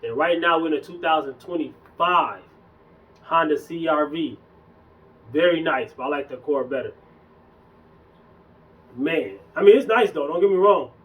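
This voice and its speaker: A young man casually talking in a relaxed, slangy way as a fitness vlogger, a bit hoarse from losing his voice. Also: a little high, normal speed, long pauses, recorded from a distance, low-quality recording. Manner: loose, conversational, slangy. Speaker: fitness YouTuber. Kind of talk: casual vlog chat.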